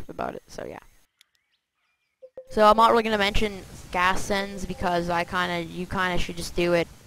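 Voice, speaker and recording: Flat and monotone, a woman speaks at a fairly low pitch. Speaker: gaming YouTuber. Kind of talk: gameplay commentary tutorial. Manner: stuttering a bit; casual, hesitant with many ums.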